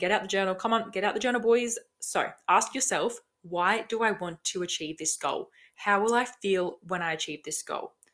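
A woman with an Australian accent talks in an animated tone at a fairly quick pace, with ordinary pitch variation. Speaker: podcast host. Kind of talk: pep talk, motivational solo monologue. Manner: animated, high-energy, emphatic, hyped-up, punchy; fast, chatty, swears casually, repeats words for emphasis.

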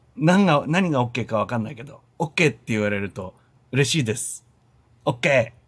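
On a very clean recording with a silent background, a man with a medium pitch and a somewhat breathy, animated tone talks at a moderate pace, his intonation lively and his loudness swinging widely. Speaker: live streamer. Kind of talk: casual live-stream chat reading viewer comments. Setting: live stream. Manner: animated, laughing often.

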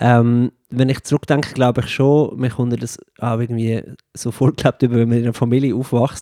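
A man speaks at a moderate pace and medium pitch, his tone dark and mellow. The recording is very clean with a silent background, dry and close with no echo. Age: 40s. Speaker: podcast co-host, journalist. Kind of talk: casual chat.

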